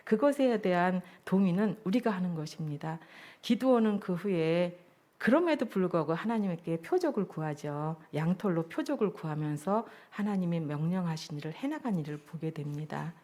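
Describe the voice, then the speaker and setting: A woman's voice: fairly low pitch, expressive, moderate pace, warm tone. A woman junior pastor preaching a sermon at a church service, earnest and reflective as she shares her own testimony.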